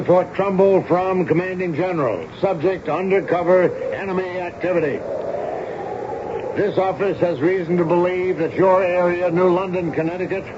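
A man's voice: high-pitched, close to an everyday voice. Man as stern army major, muffled noisy radio. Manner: measured, official, authoritative. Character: stern, formal Civil War army major in command. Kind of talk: radio drama acting.

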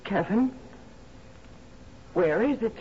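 A woman's voice: medium pitch, expressive, takes it slowly. An actress playing an earnest, distressed woman in a gothic radio drama, speaking with pleading intensity. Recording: muffled radio broadcast with faint noise.

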